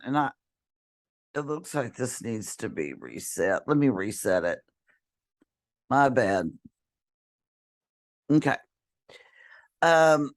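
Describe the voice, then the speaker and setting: Hoarse woman giving a slow tutorial. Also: low voice. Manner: slow, halting, clears throat often, apologetic. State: losing her voice, hoarse and whispery. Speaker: college librarian or instructor. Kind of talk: screen-share tutorial for a student.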